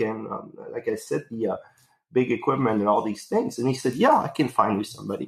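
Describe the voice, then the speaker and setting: A man with a French accent talks with ordinary pitch variation. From France, south of Paris. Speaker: farmer. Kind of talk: interview. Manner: halting, many fillers.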